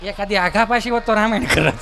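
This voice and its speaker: A man telling folk comedy stories on stage, animated and putting on voices. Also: sits high, fast talker, creaky, soft background music. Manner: animated, acts out voices, rustic asides. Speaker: stand-up comedian. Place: live stage show.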